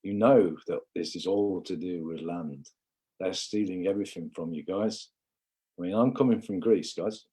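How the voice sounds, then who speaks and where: A man's voice: low-pitched, normal speed, dark tone, breathy edge. A man from England giving a rambling, impassioned livestream monologue, often calling viewers "guys".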